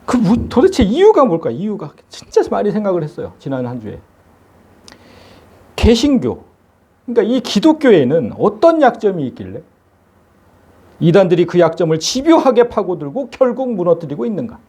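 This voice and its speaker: A man's voice: high voice, big pitch swings, moderate pace, pauses often, mellow, breathy edge. A man preaching a sermon as pastor, emphatic and full of rhetorical questions.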